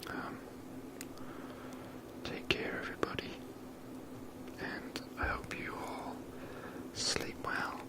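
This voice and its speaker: A person whispering casual, rambling ASMR commentary while playing a video game, in a breathy, unvoiced voice. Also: takes it slowly, pauses often, low-quality recording.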